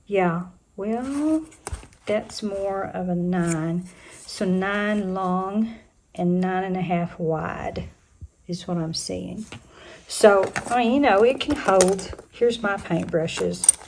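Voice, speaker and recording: A woman in later life, a retired teacher, chatting casually to her vlog viewers in a slightly hoarse voice and thinking aloud as she goes. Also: medium pitch, slow pace, darkish tone, slight background noise. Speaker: vlogger.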